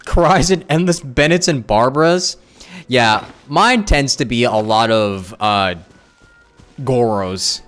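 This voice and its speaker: A young male game streamer offers casual, slangy livestream commentary on a game, with faint game music behind him. His voice is mid-range and fairly bright, and he speaks slowly.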